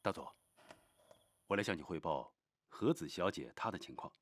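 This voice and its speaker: Very deep-voiced military subordinate. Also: male voice, lively intonation, moderate pace. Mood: deferential. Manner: formal, matter-of-fact. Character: deferential male military subordinate reporting. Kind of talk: Chinese period TV drama acting.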